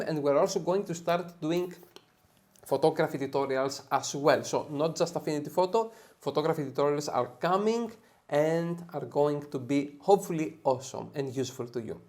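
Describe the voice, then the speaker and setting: A man from Greece with a Greek accent hosts an upbeat screen-share tutorial on photo editing software, often checking in with "okay?" at the end of sentences. His voice is on the high side with a darkish tone.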